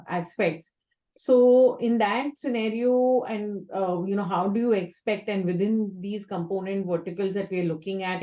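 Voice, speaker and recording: A woman's voice: medium pitch, dark tone. A woman speaking as an analyst, putting long conversational questions on an earnings call. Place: conference call.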